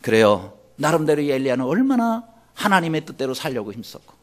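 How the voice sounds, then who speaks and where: A man's voice: a little high, sing-song, fairly quick. A male pastor preaching a sermon, asking the congregation questions and voicing anguished quoted pleas.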